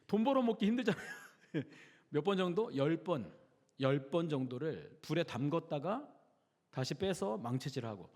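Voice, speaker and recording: A man preaching a Wednesday sermon in a conversational way, often putting questions to the congregation. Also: fairly high pitch. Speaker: pastor. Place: church sanctuary. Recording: long church hall reverb.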